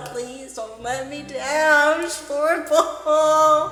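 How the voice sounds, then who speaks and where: A woman puts on a character voice pitched high. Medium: game stream. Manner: bossy, fussy.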